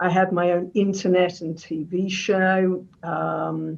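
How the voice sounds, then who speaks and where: A woman with a fairly low pitch talks very slowly, her intonation fairly even. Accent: English. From England. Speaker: author and communications coach. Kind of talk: interview.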